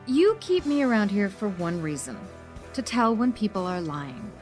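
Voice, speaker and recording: Woman acting a confident lie-spotter, firm, direct, animated intonation, middle pitch, audio drama. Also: moderate pace, over music, close to an everyday voice. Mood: assured. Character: assured, caring woman who detects lies for police.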